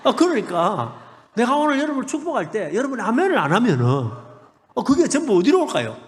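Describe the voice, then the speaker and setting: Animated Gyeongsang pastor preaching in a hall. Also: male voice, extremely high pitch, fast talker. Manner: preaching with rising shouted blessings and humorous asides to the congregation. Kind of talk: revival sermon. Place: church sanctuary. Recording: long hall reverb in a church.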